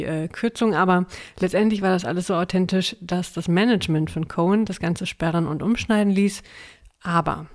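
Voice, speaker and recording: A woman with a somewhat low voice, talking casually as a co-host. She chats along with frequent filler pauses and light laughs. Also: darkish tone. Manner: chatty, many filler pauses, laughs easily. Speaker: podcast co-host. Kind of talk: casual chat about a documentary.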